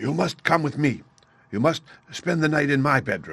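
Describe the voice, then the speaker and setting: Putting on a raspy character voice, a man talks at a moderate pace with a fairly high pitch. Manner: hurried.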